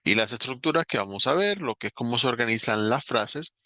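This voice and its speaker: A man walks through grammar rules in a recorded lesson. His voice is gravelly and bright, with a dry, close sound. He explains patiently and slows down to spell out examples. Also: medium pitch, lively intonation, dry recording. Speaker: English teacher.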